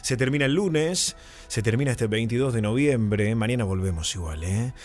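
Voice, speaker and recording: Casual Argentine radio host. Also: male voice, medium pitch, expressive, soft background music. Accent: Argentine Spanish. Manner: casual, encouraging, drawn-out phone numbers. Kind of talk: late-night call-in radio chat.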